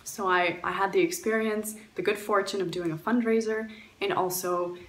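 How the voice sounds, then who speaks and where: A woman's voice: medium pitch, fairly even intonation, normal speed, a bit bright, a little hiss or hum. Woman sharing bike travel advice, earnest, lots of ums and restarts, echoey room. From Poland, raised in Canada. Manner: earnest, frequent fillers and restarts. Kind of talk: recorded talk answering questions.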